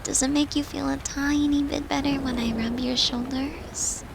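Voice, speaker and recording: Woman acting as gentle reassuring girlfriend, comfort roleplay, soft-spoken, fairly high, unhurried, faint rainy noise behind. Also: steady tone, gravelly. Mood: tender, reassuring. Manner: tender, reassuring, sighing, slow and hushed. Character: gentle, devoted human girlfriend soothing her demon lover.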